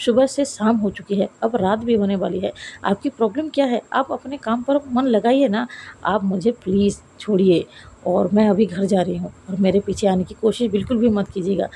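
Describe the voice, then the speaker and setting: Lady reading the part of an annoyed young woman, bit gravelly and mellow, faint hiss behind. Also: mid-range voice, a little fast, lightly acted. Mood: irritated. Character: young woman, upset, sharp-tongued employee.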